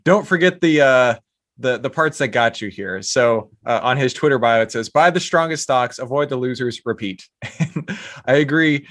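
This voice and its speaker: Guy hosting a podcast, mid-pitched, eager, keeps restarting his sentences, dry sound. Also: normal speed, fairly bright tone, dry recording. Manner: eager, many restarts and fillers. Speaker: podcast host. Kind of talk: podcast interview.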